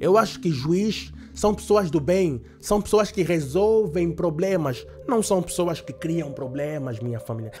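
Over light background noise, a man with an Angolan accent and a high pitch speaks fairly slowly in an animated tone with lively intonation. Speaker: online news commentator. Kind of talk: news commentary. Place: home room. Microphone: studio mic.

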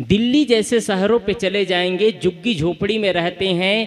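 Amid light background noise, a man with a high pitch speaks at a very slow pace with ordinary pitch variation. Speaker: religious preacher. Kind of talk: sermon. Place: tent. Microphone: handheld.

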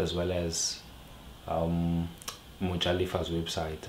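A man's very deep, low voice with audible room echo and light background noise. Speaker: vlogger introducing an interview. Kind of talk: casual vlog chat. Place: home room. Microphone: phone near.

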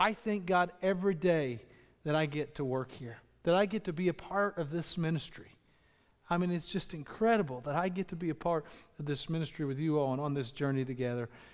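Here a man talks at a fairly quick pace with ordinary pitch variation. The background is quiet. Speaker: minister. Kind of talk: sermon. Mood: warm, grateful. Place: stage. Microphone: headset.

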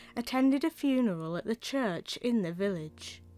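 A woman's pitch swings very widely as she talks. Music can be heard behind her. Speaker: narrator. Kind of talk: documentary narration.

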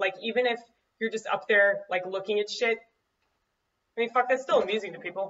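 A woman speaks at a fairly quick pace with long, frequent pauses, her pitch fairly high. Her pitch varies in an ordinary way over light background noise. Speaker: YouTuber and aspiring comedian. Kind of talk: rehearsing a stand-up set to camera, confessional bar-story bit. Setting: home garage. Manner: crude, self-mocking punchline delivery with sudden reversal; animated, profane and rambling, laughing at herself. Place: garage. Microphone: webcam.

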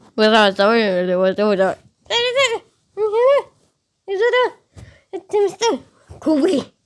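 A female-sounding voice puts on a character voice with a high pitch. It moves at a fairly slow pace with long, frequent pauses. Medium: dub.

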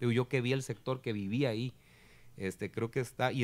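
At a fairly quick pace, a man with a medium pitch and ordinary pitch variation uses an ordinary speaking voice. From Mexico, Michoacán. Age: 30s. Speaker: regional Mexican singer. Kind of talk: interview.

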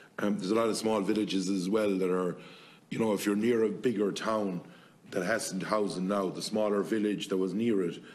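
The speaker uses an Irish rural midlands accent at a moderate pace, with monotone, flat intonation. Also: man. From Ireland. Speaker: politician on committee. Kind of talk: committee questioning. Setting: committee hearing room. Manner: halting. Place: meeting room. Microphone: podium.

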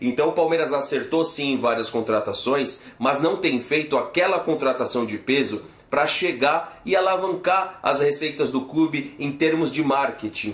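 Ordinary pitch variation at a moderate pace amid audible room echo. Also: man. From Brazil. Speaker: YouTube football commentator. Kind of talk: casual live-stream commentary. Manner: animated. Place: home room.

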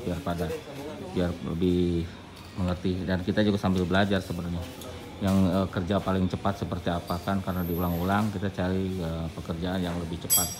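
Over clear background music, a man talks at a fairly quick pace in a very deep, low pitch with flat, monotone intonation. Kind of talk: tutorial. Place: workshop. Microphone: phone near.

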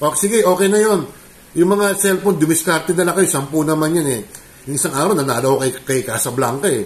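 The speaker is a man talking at a very fast pace. His intonation is lively. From Philippines. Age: 60s. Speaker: vlogger. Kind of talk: casual vlog monologue; reading out viewer names. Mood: cheerful, grateful. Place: home room. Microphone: webcam.

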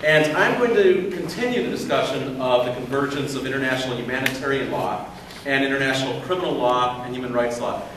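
Very fast speech with ordinary pitch variation, noticeable background noise and audible room echo. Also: man. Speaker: international law panelist. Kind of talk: conference talk. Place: hall. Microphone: podium.

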